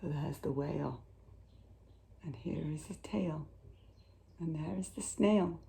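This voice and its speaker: Female teacher, low voice, leisurely expressive storytelling for children, rhythmic with stretched words. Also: slow pace, vocal fry, slight background noise. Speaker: teacher reading aloud. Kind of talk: rhythmic children's picture-book read-aloud.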